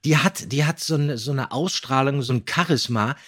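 A man's voice: mid-range voice, normal speed, a bit bright, husky. A man in a casual podcast discussion, talking emphatically and often repeating himself.

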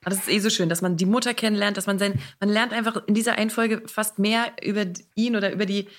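A woman's voice: medium pitch, steady tone, fast. A woman with a German accent co-hosting a podcast, asking questions in a casual, conversational way. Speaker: podcast co-host and interviewer.

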